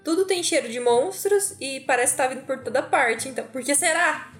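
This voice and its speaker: A woman's voice: sits high, expressive, a little fast, faint music behind. A woman co-hosting a casual chat, playfully teasing and recapping the plot. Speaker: podcast co-host.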